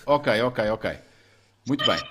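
A man's voice: mid-range voice, slow, fairly bright tone, a little hiss or hum. A man with a European Portuguese accent hosting a live online chat show over a video call, playful and teasing, with many fillers. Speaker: host.

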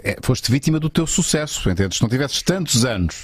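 A man with a European Portuguese accent hosting a casual interview, jumping in with quick interjections and repeating himself. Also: mid-range voice, very animated, breathy edge, no echo. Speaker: host, also a voice artist.

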